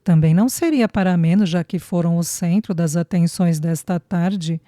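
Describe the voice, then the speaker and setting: A woman's voice: fairly low pitch, normal speed, mellow, no echo, studio quality, lightly acted. A woman narrator voicing an outspoken woman friend who speaks emphatically and teasingly.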